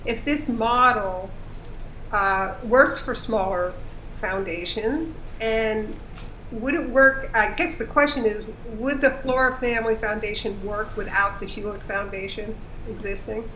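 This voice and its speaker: Soft-spoken woman with a head cold. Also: mid-range voice, steady tone, unhurried. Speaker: seminar participant asking a question. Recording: echoey call audio with faint noise.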